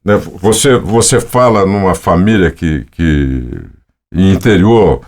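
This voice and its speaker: A man's voice: low-pitched, slow pace. A Brazilian man in his seventies, a voice-over artist, telling long casual stories in an interview. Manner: rambling, anecdotal, with frequent fillers.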